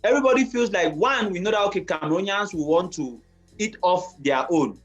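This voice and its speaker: A man hosting a podcast conversation, agreeing often and making his points slowly and deliberately. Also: high voice, animated, lo-fi sound, faint music behind. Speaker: podcast host.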